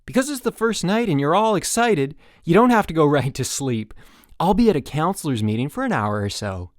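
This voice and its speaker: An audiobook character, acted out by a man: a young male camp counselor who is relentlessly upbeat. His pitch is pushed high and bounces eagerly. Every phrase carries a bright, forced enthusiasm. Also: big pitch swings, brisk, no room sound, clean studio sound. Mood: brisk, upbeat.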